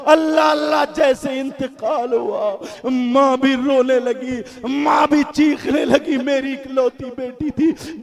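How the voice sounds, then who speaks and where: A male preacher giving a fiery Islamic sermon, telling a story dramatically with shouted, repeated lines. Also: very high voice.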